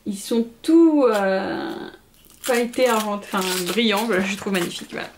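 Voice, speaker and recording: A young woman chats casually at home, hesitant and full of fillers. Her pitch sits in a middle range. Faint background noise runs under the voice. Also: lively intonation, normal speed. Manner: chatty, hesitant, many fillers. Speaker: vlogger. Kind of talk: casual haul video chat.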